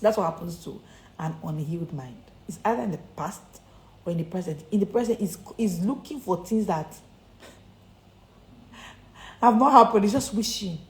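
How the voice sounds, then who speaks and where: Here the Nigerian-accented coach, who teaches confidence and public speaking, addresses her online followers at a normal speed with long pauses in a mid-range voice. Like a preacher, she is emphatic and repeats key phrases; the room echoes and has faint background noise.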